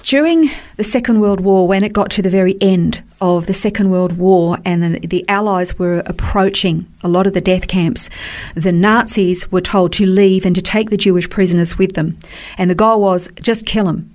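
A woman's voice: mid-range voice, steady tone, moderate pace, darkish tone. A woman teaching on a Christian radio program in an earnest, explanatory way, repeating words for stress. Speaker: Bible teacher.

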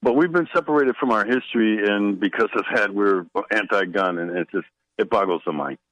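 A man talking as an AM radio interview guest, halting and repeating words as he thinks. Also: fairly low pitch, a bit bright, no echo, dull audio. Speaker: guest author.

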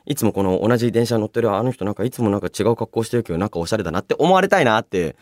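A man hosting a casual solo radio show, chatting and reading out listener mail in a polite but chatty, animated way. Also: fairly low pitch, very fast, no room sound, clean studio sound. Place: radio studio, dry sound.

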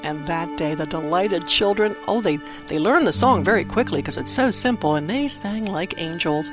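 A woman telling a dramatic Christmas story for children, with simple, expressive phrasing and emphatic pauses. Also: lowish voice. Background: music under the narration.

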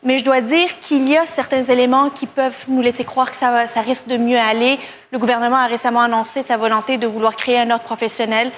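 A woman's voice: a little high, flat delivery, quick pace, slight background noise. Articulate woman panelist. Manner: articulate, emphatic. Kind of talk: radio panel commentary.

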